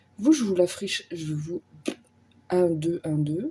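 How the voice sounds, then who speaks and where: The voice belongs to a woman and is somewhat breathy. Its tone is dark and mellow. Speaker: cross-stitch video creator. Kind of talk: casual vlog talk.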